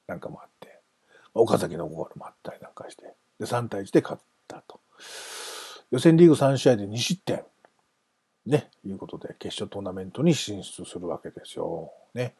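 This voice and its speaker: A man's voice: on the low side, dark tone, husky, no echo. A man hosting a casual solo talk, chatty and self-amused, wandering off into asides. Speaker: podcast host.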